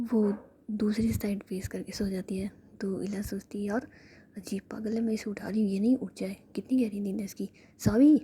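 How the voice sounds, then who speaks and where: A woman narrating a story in a soft, steady whisper. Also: mid-range voice, a little hiss or hum.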